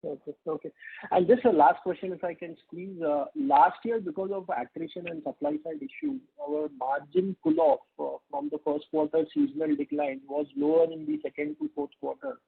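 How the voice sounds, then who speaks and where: A man asking questions as a financial analyst on an earnings call, with a gravelly, husky voice. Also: high-pitched, big pitch swings, moderate pace, no room sound. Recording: narrow lo-fi phone line.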